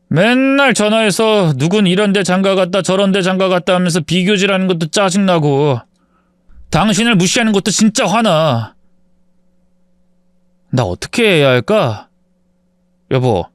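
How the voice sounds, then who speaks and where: A man's voice: high-pitched, smooth, dry recording. Guy reading as a fed-up young husband, pleading, dry close voice. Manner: exasperated, pleading. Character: young married man, frustrated son.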